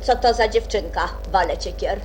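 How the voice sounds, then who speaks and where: A woman's voice: mid-range voice, normal speed, darkish tone, faint music behind, close to an everyday voice. An actress playing an imperious, short-tempered storybook queen in a radio play, with a commanding, abrupt manner. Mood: haughty.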